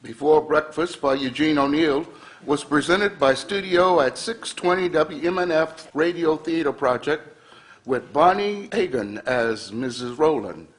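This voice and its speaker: A man's voice: fairly high pitch, lively intonation, measured pace. A man working as a radio theater announcer, reading scripted credits.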